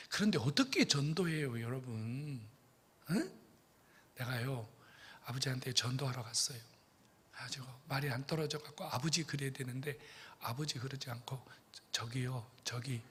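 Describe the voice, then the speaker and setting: A middle-aged male pastor telling a story in a sermon, dropping to hushed whispers and then bursting out loud, repeatedly speaking straight to the congregation. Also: medium pitch, moderate pace, a little hiss or hum. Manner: dramatic, swings between hushed whispers and sudden loud bursts; addresses congregation directly, repeats phrases. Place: church sanctuary. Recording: long church reverb.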